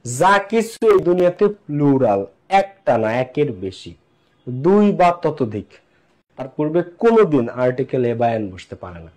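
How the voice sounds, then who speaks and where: A man's voice: fairly high pitch, very animated, darkish tone. Man teaching an English class. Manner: asks and answers his own questions, repeats key points; slows down to spell out English examples. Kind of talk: online class lecture.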